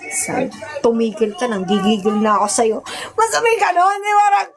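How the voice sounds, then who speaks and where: A woman's voice: fairly high pitch, expressive, moderate pace, crowd noise, poor audio. A young woman hosting a casual livestream, telling stories in a rambling, giggly way full of fillers, into a phone mic. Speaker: livestream host.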